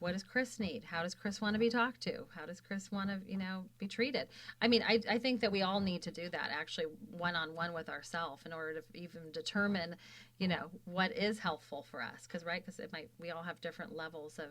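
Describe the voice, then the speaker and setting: An ordinary speaking voice with an American accent, at a fairly quick pace with ordinary pitch variation. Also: woman, medium pitch for a woman. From California Central Coast. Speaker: clinical psychologist and radio host. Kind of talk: casual chat. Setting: radio studio.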